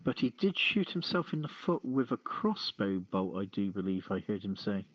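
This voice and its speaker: A man hosting a casual news podcast, reading stories and commenting in a halting, deliberate way. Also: lowish voice, big pitch swings, a little hiss or hum. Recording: dull, lo-fi streamed audio.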